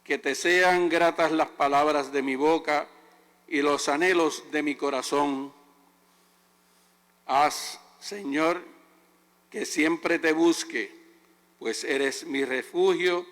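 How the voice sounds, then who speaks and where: Male lector, very slow, fairly high voice, cathedral echo. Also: a bit bright. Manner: very slow, deliberate reading in short phrases. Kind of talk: liturgical reading at Mass. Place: large church. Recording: cathedral echo with long reverb.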